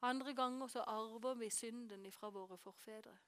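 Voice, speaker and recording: A woman preaching a sermon, telling a story with animation and dropping to hushed whispers for emphasis. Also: fairly high pitch, steady tone. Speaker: preacher and course teacher.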